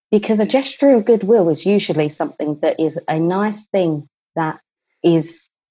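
A woman's medium-pitched voice with a British accent, at a moderate pace. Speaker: insurance operations team leader.

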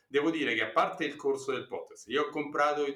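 A man with a Roman accent, fairly high in pitch, speaking at a very fast pace. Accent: Roman Italian. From Rome, Italy. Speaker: podcast host and financial advisor. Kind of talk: casual interview.

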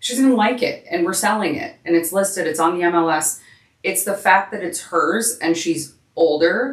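Here is a woman with a normal speaking voice at medium pitch. Her pace is moderate and her pitch variation ordinary. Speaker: realtor. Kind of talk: casual chat.

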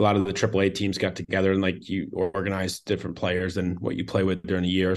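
With a quiet background, a man speaks in an American accent at a very deep, low pitch. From upstate New York. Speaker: former pro hockey player. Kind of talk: interview. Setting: video call.

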